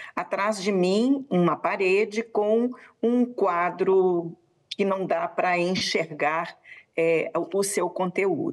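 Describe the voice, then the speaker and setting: Her loudness very even, a woman speaks at a very slow pace, medium in pitch with ordinary pitch variation. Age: 60s. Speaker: labor prosecutor. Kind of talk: interview. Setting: video call.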